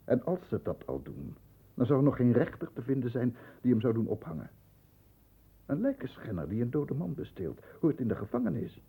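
A man acting a stern, proud middle-aged lawyer in a 1960s radio play, speaking with formal, measured diction. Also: mid-range voice, big pitch swings, breathy edge, heavily acted. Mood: stern, urgent. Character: stern, proud male lawyer protecting the family name. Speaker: actor in a radio drama. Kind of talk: 1960s Dutch radio play acting, first-person narration and dialogue. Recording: muffled, thin 1960s radio recording.

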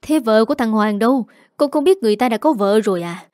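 Angry middle-aged mother, scolding hard, mellow low-toned delivery, read by a woman narrator. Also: lively intonation, quick pace, dry recording, clean studio sound, close to an everyday voice. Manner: scolding, sharp rebukes.

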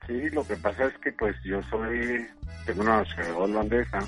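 A man's voice: on the low side, brisk, fairly bright tone, soft background music. A man from Colombia on a phone call, talking hesitantly with many fillers. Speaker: caller. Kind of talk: phone conversation.

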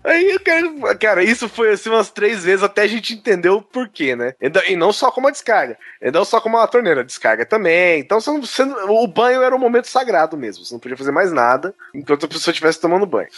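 A man with a Brazilian Portuguese accent, hosting a podcast and telling a story in casual chat, animated and slangy, laughing often. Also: high-pitched, very fast, few pauses, no echo. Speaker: podcast host.

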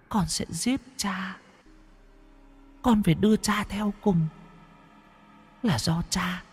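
A faint, whimpering child ghost. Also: male voice, slightly rough, in a large hall, exaggerated voice. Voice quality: thin, faint, high whimpering voice.

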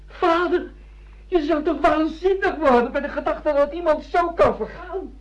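A woman's voice: high voice, moderate pace, natural voice. Impassioned, anguished rebel played by a woman, dull recording. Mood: impassioned, desperate. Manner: theatrical, impassioned monologue. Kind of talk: radio drama acting. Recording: dull lo-fi radio play recording.

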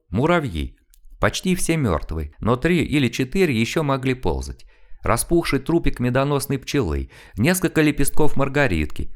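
A man reading a novel aloud as an audiobook narrator, in a measured, expressive storytelling manner. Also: mid-range voice. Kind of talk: scripted literary narration.

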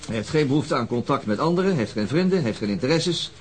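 An actor in a Dutch radio drama playing a weary, gruff male detective leading a murder hunt, matter-of-fact and given to swearing. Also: mid-range voice, expressive, fast talker.

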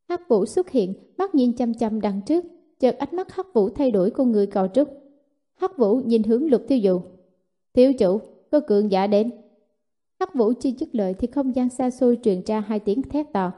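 Woman, audiobook narrator, mellow warm tone, slightly high pitch, steady storytelling. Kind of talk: scripted narration of a martial fantasy novel.

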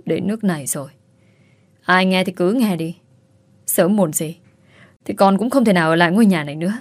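A woman's voice: fairly low pitch, fairly quick, no room sound, close to an everyday voice. Woman doing a curt, bitter young wife. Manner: curt, weary.

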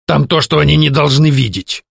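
A man voicing a jealous, petulant male ghost who shouts and pleads. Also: on the high side, brisk, vocal fry, husky, dry recording, studio quality, voice pushed up, heavily acted. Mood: sulky. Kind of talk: audiobook character voicing.

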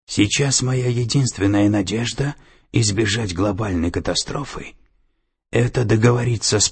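A man's voice: lowish voice, gravelly, husky, voice pushed up, full character voice. A man voicing a cold, domineering female security director, with an icy, commanding and menacing manner. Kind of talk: audiobook character voice.

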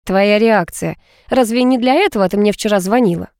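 A woman's voice: medium pitch, moderate pace, a little mellow, no room sound, clean studio sound, lightly acted. A woman voicing a cocky, mocking young male student who teases and needles. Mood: teasing. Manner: teasing, smug.

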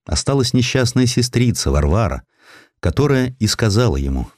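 A man narrating historical stories as a scripted audiobook, theatrically, with deliberate pauses. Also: medium pitch, sing-song, a little mellow, dry recording, clean studio sound.

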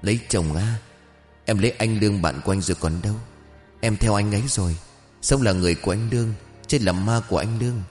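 A man's voice: on the low side, fast talker, a little mellow, echoey room, big-room sound, soft background music, natural voice. A man voicing a possessed young village woman, speaking in an eerie, menacing voice that prophesies doom.

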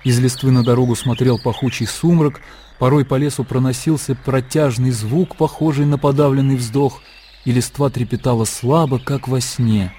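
A man narrating a radio drama in a calm, measured storytelling manner. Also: medium pitch, a little hiss or hum.

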